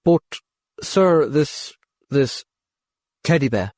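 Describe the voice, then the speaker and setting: A man's voice: a little high, expressive, extremely slow, darkish tone, no echo, clean studio sound, exaggerated voice. Man voicing a stammering, humble young technician. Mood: humble, nervous. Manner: stammering, hesitant, apologetic. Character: humble, flustered young male technician, deferential and worried.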